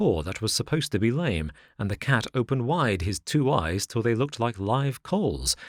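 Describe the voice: Lively intonation marks this plain reading aloud.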